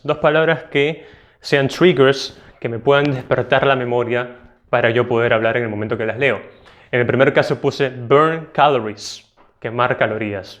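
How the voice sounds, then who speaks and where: Latin american spanish guy teaching test prep, emphatic, keeps saying ok? to check in. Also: medium pitch. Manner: clear, emphatic explanations with frequent "entonces" and "ok?". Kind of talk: video lesson.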